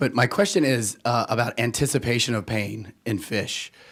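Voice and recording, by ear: Here a man puts on a character voice that is hoarse and raspy, at a medium pitch. He talks at a moderate pace.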